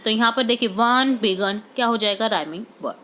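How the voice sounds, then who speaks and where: Woman, teacher, Indian English accent, slow deliberate example reading, high voice. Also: pushed and bright. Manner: explains in Hindi, mixing English words. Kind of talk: worksheet solution walkthrough.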